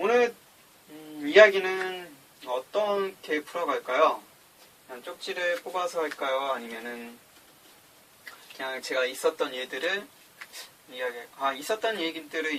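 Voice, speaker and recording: A man speaks with lively intonation and big swings in loudness, leaving long, frequent pauses. Noticeable background noise runs underneath. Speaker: vlogger and storyteller. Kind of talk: casual vlog monologue. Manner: unsettled, not calm.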